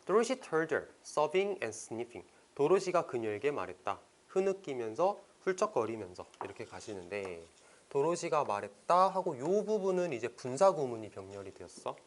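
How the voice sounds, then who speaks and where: A man teaching an English exam passage, reading sentences slowly and explaining them line by line in casual speech. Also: mid-range voice, big pitch swings.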